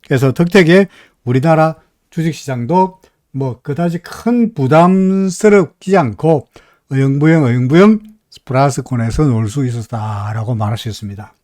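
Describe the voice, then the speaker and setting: A man's voice: medium pitch, normal speed, darkish tone, no room sound, clean studio sound. A middle-aged man with a Gyeongsang Korean accent, hosting a live stock market commentary in a folksy, chatty way, often asking his listeners "right?". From Gyeongsang region, Korea. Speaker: stock market analyst host.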